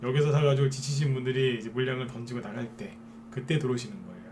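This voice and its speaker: Male stock-show host, mid pitch, coaxing lecture style, faint hiss underneath. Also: steady tone, fast, darkish tone. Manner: persuasive, keeps asking listeners to agree. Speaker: stock market broadcaster. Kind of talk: live stock trading lecture.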